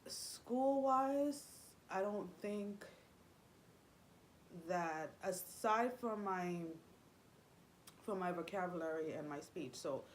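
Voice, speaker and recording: A woman's voice: medium pitch, animated, slow pace, long pauses, a little hiss or hum, rough recording. A young woman, a native Spanish speaker, telling a personal story in a rambling, confiding way with many fillers and restarts. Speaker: vlogger.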